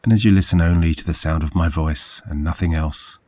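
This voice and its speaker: A man narrating a scripted guided sleep meditation as a hypnosis guide, soothing and measured, with deliberate phrasing. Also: low-pitched, dark tone.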